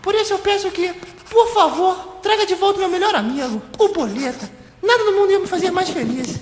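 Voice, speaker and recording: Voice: extremely high pitch, lively intonation, brisk, echoey room, slight background noise. A woman voicing an earnest, polite little Brazilian boy with a childlike manner in a comedic amateur radio play.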